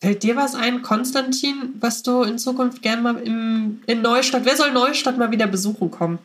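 A woman's voice: fairly high pitch, moderate pace. A woman hosting a podcast, casually moderating and putting questions to her guests. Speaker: podcast host.

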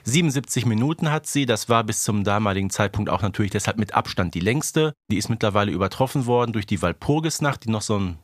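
A man's voice: on the low side, animated, fast talker, hardly any pauses, no room sound, studio quality. A man co-hosting a fan podcast in casual chat, explaining details. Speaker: podcast host.

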